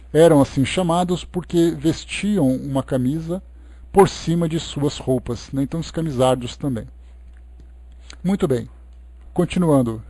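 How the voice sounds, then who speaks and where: Male Brazilian lecturer for religious book study; didactic yet conversational, mellow timbre, close dry sound. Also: on the high side, dry recording. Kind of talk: expository study talk, reading aloud and explaining.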